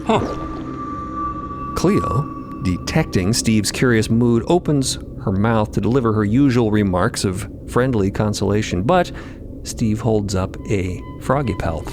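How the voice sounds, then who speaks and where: A man's voice: on the low side, lively intonation, measured pace, music in the background. A man narrating an audio drama in a scripted storytelling style.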